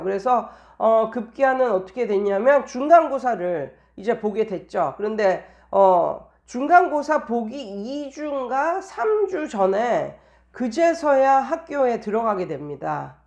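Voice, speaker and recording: A woman's voice: fairly high pitch, animated, a little slow, creaky, darkish tone. A woman tutor talking casually in an anecdotal monologue, explaining things and repeating phrases for emphasis. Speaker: private English tutor giving teaching tips.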